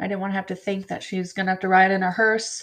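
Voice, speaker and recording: With an American accent, the speaker is heard over a quiet background. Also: woman. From Michigan. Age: 30s. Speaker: podcast host and postpartum doula. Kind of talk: personal testimony. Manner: candid, blunt.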